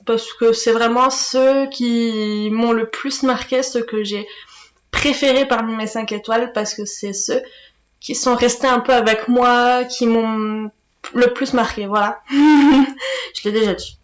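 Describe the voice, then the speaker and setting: A woman's voice: fairly high pitch, steady tone, a little slow. A woman hosting a casual book review vlog, chatty and hesitant with many fillers and restarts. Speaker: booktuber. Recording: echoey room.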